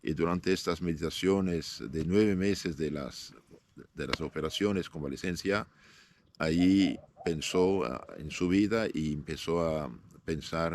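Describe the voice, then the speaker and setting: A man in his fifties, born in northern Syria with Aramaic as his first language, answering interview questions as a priest in a measured way, often pausing with fillers. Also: low-pitched, a little mellow, a little hiss or hum. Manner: measured, halting with frequent "eh" fillers and restarts.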